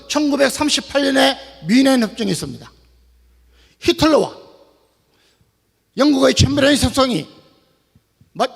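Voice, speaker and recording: Booming man orating, high-pitched and creaky. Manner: booming, rousing, emphatic delivery with drawn-out phrases. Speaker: public speaker, retired general. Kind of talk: political speech, oratory to an audience. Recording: long hall reverb.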